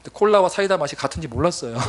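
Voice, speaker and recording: A man preaching a sermon as a missionary, telling stories in a lively way and acting out his friends' voices. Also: sits high, slightly rough. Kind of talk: sermon with storytelling. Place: church sanctuary.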